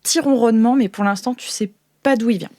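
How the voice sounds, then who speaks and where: A woman's voice: fairly high pitch, fast talker, mellow. A woman improvising tabletop game narration as game master, casual and searching for her words.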